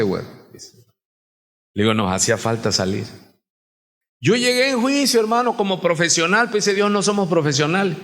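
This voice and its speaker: Man, Mexican Spanish accent, pastor, high voice, impassioned sermon, reverberant church hall. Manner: impassioned preaching, swings between quiet and shouting; addresses the congregation as hermano. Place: church sanctuary.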